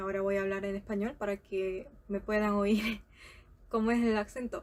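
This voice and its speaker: A woman's very fast speech in a strong Latin American Spanish accent, medium in pitch, with fairly even intonation. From South America. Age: 20s. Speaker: vlogger and English teacher. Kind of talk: casual vlog talk. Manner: unscripted, natural.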